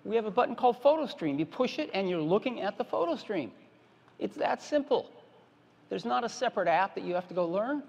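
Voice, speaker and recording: High, gravelly man pitching on a hall stage. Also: expressive, a little fast, darkish tone, lo-fi sound. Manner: plain, repetitive, emphatic product pitch. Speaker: keynote presenter. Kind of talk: product keynote presentation. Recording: reverberant conference hall.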